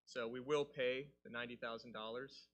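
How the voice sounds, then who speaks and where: A man's voice: medium pitch, fairly even intonation, a little fast. A man working as a city staff official, giving explanatory answers at a public meeting.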